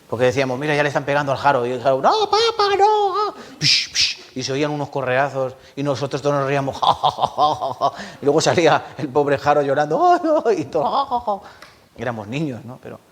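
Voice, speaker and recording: Pastor guy giving a sermon in church, keeps throwing questions at the people. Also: medium pitch. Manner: questions and prods the congregation.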